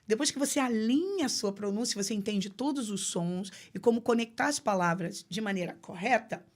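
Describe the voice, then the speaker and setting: A woman's voice: mid-range voice, brisk. A woman with a Brazilian accent, an English pronunciation teacher, explaining emphatically in a podcast conversation. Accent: Brazilian Portuguese. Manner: emphatic, explanatory, acts out quoted voices.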